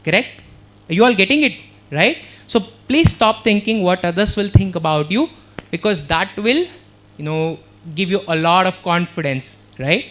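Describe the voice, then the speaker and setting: High-voiced Indian man giving a pep talk. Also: animated, normal speed, fairly bright tone. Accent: Indian English. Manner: earnest, keeps checking in with the audience. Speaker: motivational speaker. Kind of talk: motivational talk to students. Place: university auditorium.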